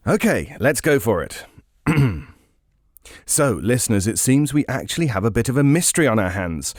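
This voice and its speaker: Casual British male podcast host, curious, hesitant, animated pitch, naturalistic audio drama, music bed behind. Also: normal speed, no echo, studio quality. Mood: unsure, intrigued. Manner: hesitant, informal, thinking aloud.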